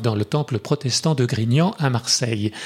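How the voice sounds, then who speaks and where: A somewhat breathy male voice at medium pitch, with ordinary pitch variation and a moderate pace. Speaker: radio host. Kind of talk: interview.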